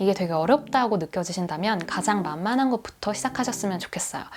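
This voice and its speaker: A woman's pitch swings very widely against noticeable background noise. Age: 20s. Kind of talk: casual talk to camera. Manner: soft-spoken.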